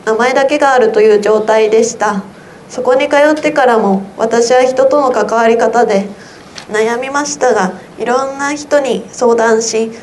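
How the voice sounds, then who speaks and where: High school girl reading her own essay on air; earnest, steady delivery in a slightly high register. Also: a little hiss or hum. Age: teens. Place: radio studio.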